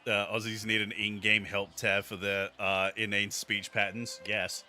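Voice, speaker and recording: A man's voice: lowish voice, little pitch movement, measured pace, sharp tone, a little hiss or hum. A man streaming a game with a friend, joking, reading on-screen text aloud and laughing often. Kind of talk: casual let's-play commentary.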